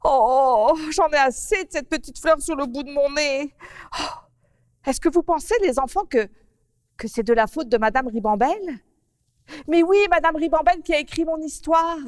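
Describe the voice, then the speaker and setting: A woman's voice: high-pitched, normal speed, dry recording, clean studio sound, big-room sound, pitched above the performer's own voice, close to an everyday voice. A woman voicing a fretful young woman with a flower on her nose, who exclaims and stammers while speaking to the children in a children's TV story. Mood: fretful flustered.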